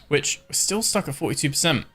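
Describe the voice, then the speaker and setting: A man giving relaxed, casual commentary as he streams a strategy game, thinking aloud with frequent ums. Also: a little high, brisk, slightly rough. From born in Scotland, raised in Ireland. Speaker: live-streamer.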